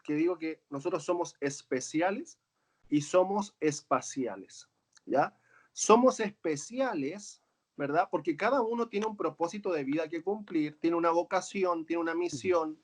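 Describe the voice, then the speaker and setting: A man, a coach and author, talking earnestly and reflectively in a conversation, often checking in with "¿verdad?". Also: fairly high pitch. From Chile. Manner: earnest, tags phrases with "¿verdad?".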